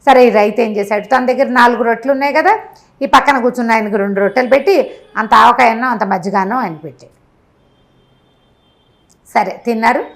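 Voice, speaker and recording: A woman telling a folk moral tale in an animated, chatty, conversational way, with asides to her listener. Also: a little high. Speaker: storyteller. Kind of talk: spontaneous conversational storytelling of a folk moral tale, acting out dialogue.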